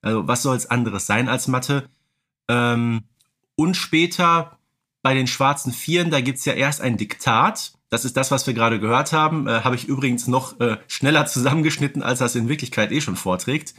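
A man's voice: mid-range voice, normal speed, pushed and bright. A man talking in an explanatory, conversational way as co-host of a casual podcast, often adding tag questions.

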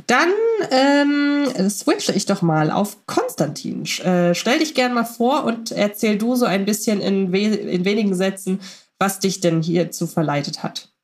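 A woman's voice: mid-range voice, lively intonation, a little slow. A woman hosting a podcast in a conversational moderating style. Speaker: podcast host.

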